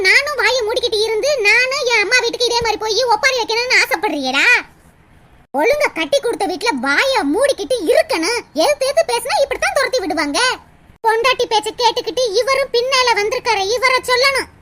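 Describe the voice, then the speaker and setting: A shrill, sharp-tongued cartoon daughter-in-law, voiced by a woman. She scolds in a sarcastic, rapid-fire way. Her very high, bright voice carries a faint hiss of room noise. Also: animated, full character voice. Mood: scolding. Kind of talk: cartoon family drama voicing.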